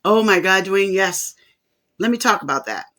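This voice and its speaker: A woman's voice: mid-range voice, expressive, normal speed, fairly bright tone. Woman doing a casual live stream, emphatic, keeps repeating her points and reading out comments. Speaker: host of a life coaching show.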